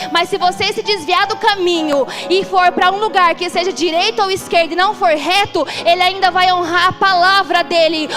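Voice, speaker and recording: Over noticeable background noise, a woman uses a raised, projected voice at an extremely high pitch. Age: 20s. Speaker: pastor. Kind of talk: sermon.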